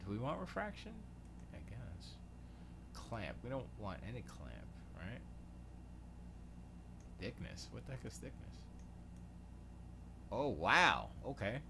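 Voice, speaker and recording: Speaking slowly with long pauses, a lowish-voiced man from Florida, USA hosts a relaxed livestream from his home studio. He thinks out loud while working, muttering questions to himself and letting sentences fade out, over a steady, clearly audible hiss.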